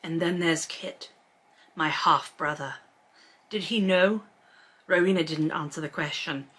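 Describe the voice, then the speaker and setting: A woman's voice: deep voice, measured pace, fairly bright tone. A woman hosting a book read-along, reading aloud and commenting in a blunt, profane, sarcastic and casual way. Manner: sarcastic, emphatic.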